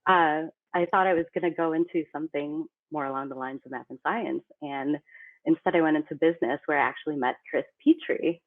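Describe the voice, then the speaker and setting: A woman's voice: low-pitched, a little fast. A woman from the Philippines, a company CEO, talking casually as a podcast guest in a chatty, self-deprecating way. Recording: tinny phone-like remote line.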